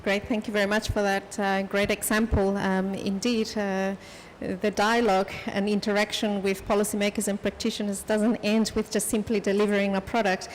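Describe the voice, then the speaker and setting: A woman's voice: medium pitch, little pitch movement, moderate pace, big-room sound, slight background noise, rough recording. A woman moderating a panel who courteously thanks the speakers and puts questions to them.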